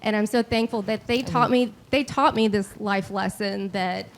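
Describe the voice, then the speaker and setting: A woman's voice: medium pitch, steady tone, normal speed. A woman in the audience sharing an earnest, heartfelt reflection. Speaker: audience member. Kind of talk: spoken comment from the audience.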